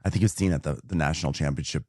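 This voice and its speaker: A man co-hosting a podcast, chatting casually and gossiping about reality TV, with halting restarts. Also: rumbling low, darkish tone, dry recording, clean studio sound. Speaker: podcast co-host. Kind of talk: casual chat.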